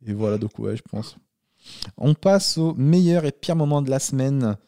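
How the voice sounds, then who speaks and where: A man's voice: medium pitch, animated, moderate pace, warm tone, dry recording, clean studio sound. A man hosting a casual chat, talking in a blunt, slangy way. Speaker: podcast host.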